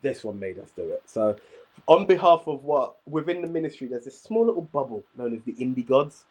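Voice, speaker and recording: A man's voice: medium pitch, very animated, a little fast, darkish tone. A man hosting a wrestling review show, speaking emphatically and repeating himself for emphasis. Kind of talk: casual podcast chat.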